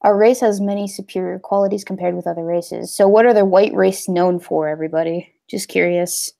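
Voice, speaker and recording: A woman's voice: mid-range voice, fairly even intonation, a little fast, vocal fry, mellow. A young woman hosting a casual livestream, talking in a rambling, hesitant way with many fillers. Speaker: livestream host.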